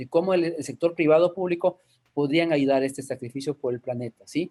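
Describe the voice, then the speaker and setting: Ordinary pitch variation marks talking that moves at a fairly quick pace. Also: man. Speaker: conference speaker on futures and innovation. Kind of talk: conference talk. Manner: fast.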